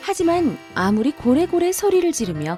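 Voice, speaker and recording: Music can be heard behind the speech. The speaker is a woman. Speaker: voice actor audiobook narrator. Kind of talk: audiobook narration of a children's classic.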